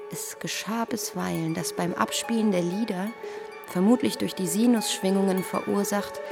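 An actress playing a dreamy young woman who muses aloud from her diary in a radio play, speaking in a deliberate way. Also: fairly low pitch, vocal fry. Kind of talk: scripted first-person monologue in a radio play.

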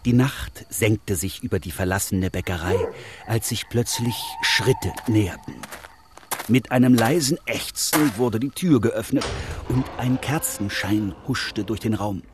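A man reading a children's bedtime story in a gentle, expressive way. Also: fairly low pitch, measured pace, background noise. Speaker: narrator. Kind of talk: scripted storybook narration.

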